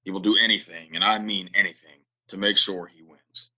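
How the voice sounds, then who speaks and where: A grave frontier gunfighter, played by a man, low-voiced with a very sharp, forceful edge. He speaks in measured, ominous Western drama style on a slightly dull recording. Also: steady tone, full character voice. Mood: grave warning. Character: grave, strategic male gunfighter stranger. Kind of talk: audio play Western acting.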